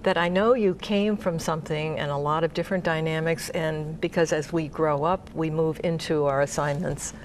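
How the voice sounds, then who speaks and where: A woman's voice: low-pitched, fairly even intonation, moderate pace, hardly any pauses, a little hiss or hum. A woman hosting an interview show, chatting effusively and interjecting often with her guest. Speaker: host. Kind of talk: casual interview chat.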